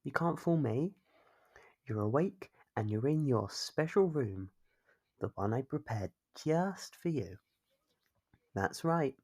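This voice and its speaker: A performer voicing a possessive, obsessive captor in an ASMR roleplay, mockingly doting and scolding, with coaxing questions and a husky, creaky voice. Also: mid-range voice, full character voice. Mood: teasing, smug. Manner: coaxing, chiding, drawn-out teasing questions. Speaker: voice actor.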